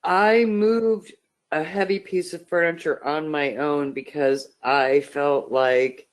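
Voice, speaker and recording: A woman's voice: low voice, steady tone, slow. A woman in a class, asking questions hesitantly about what she is told. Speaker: class participant.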